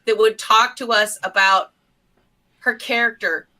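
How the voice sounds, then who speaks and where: Bright, higher-pitched woman, blunt and emphatic. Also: fairly even intonation, unhurried, low-quality recording. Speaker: podcast co-host. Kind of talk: casual conversational podcast chat.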